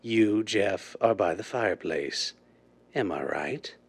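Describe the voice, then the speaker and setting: An actor playing a blind, cold criminal mastermind in a deliberate, commanding, theatrical 1930s radio drama style. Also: male voice, on the low side, lively intonation, vocal fry, husky, heavily acted. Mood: controlled, menacing. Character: blind, cold, menacing male crime mastermind called the Owl. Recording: noisy vintage-style radio drama recording.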